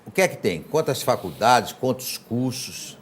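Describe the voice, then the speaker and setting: A man's voice: mid-range voice, animated, unhurried, breathy edge. Jovial male TV talk show host. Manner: jovial, teasing, leading questions with "né?". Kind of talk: informal TV interview.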